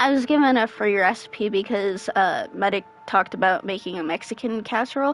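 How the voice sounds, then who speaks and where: Over noticeable background noise, a woman speaks fairly quickly in a fairly high voice. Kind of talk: casual live-stream chat.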